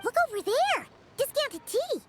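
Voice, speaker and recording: A woman voicing a small, excitable, childlike fairy companion in a video game, squeaky and exclamatory. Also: unhurried, full character voice. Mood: excited. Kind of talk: video game character acting.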